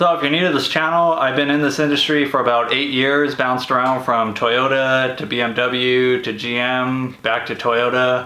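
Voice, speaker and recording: An American accent with noticeable background noise and audible room echo. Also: man. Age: 20s. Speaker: auto mechanic and video creator. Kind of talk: casual vlog monologue. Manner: casual, filler-heavy.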